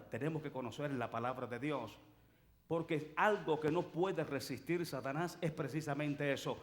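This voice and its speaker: A man, preaching a sermon as pastor in a church, emphatic and swelling louder at key points. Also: fairly high pitch. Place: church sanctuary.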